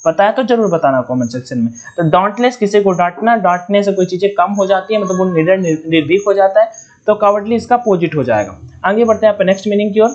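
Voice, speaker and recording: A man's voice: high voice, expressive, brisk, darkish tone, highs cut off. A man from India with a Hindi accent teaching English vocabulary in an online exam-prep lesson, spelling words out letter by letter and repeating key points.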